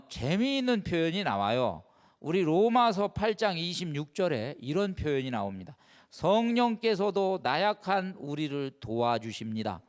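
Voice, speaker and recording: A middle-aged man preaches a sermon lecture in a high, lively voice that leaps from hushed asides to loud exclamations. He keeps asking his audience rhetorical questions. The sound rings with the long reverb of a hall. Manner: animated, rhetorical questions, swings from soft to loud. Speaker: Catholic priest lecturer.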